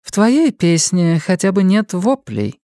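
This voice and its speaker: A stern older mother with a prim, scolding voice, pitched up high, put on by a male narrator. She speaks crisply and sharply in an audiobook reading. The recording is close and dry. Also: very animated, unhurried, mellow, no room sound. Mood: disapproving. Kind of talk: audiobook character voice.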